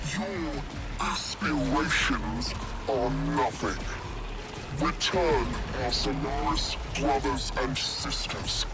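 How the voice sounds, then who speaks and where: An actor playing a solemn, menacing rebel avenger in a video game, declaiming a formal threat. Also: male voice, medium pitch, low-quality recording. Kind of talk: dramatic video game acting.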